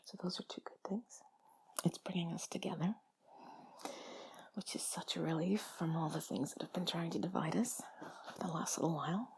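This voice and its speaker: A woman talking in a hushed, breathy, intimate whisper, rambling along in a reassuring, comforting way as if to one listener. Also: on the low side, normal speed, pauses often, low-quality recording. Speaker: audio creator speaking to listener.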